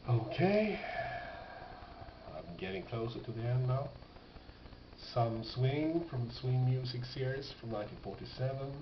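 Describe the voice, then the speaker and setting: A man's voice: mid-range voice, expressive, a little slow. A man giving casual, off-the-cuff commentary as he presents a collection, musing aloud and often questioning himself. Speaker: record collector presenting finds. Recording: dull lo-fi, noisy, roomy sound.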